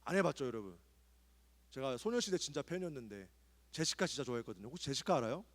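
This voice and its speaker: Animated man preaching in a big church hall. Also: medium pitch, fast. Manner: animated preaching, swings from soft asides to loud calls to pray. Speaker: pastor. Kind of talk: sermon at a youth retreat. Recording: hall with long reverb.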